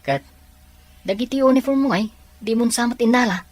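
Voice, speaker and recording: A woman voicing a supportive, inquisitive young male buddy with a husky voice in an amateur audio drama. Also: on the high side, fairly quick, dry recording, lightly acted. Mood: concerned, accepting.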